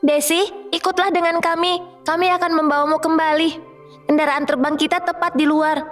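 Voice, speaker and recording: Woman doing a very high insistent fairy. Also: steady tone, normal speed, soft background music. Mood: urgent. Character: fairy messenger, urgent, insistent female fairy. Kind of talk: children's fairy tale cartoon dub.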